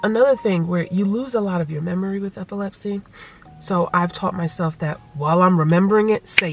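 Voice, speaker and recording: Over noticeable background noise, a woman speaks in a fairly low voice with ordinary pitch variation. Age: 40s. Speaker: vlogger. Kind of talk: casual vlog monologue. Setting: in a car. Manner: animated, moves hands a lot; occasional stuttering and word-finding pauses.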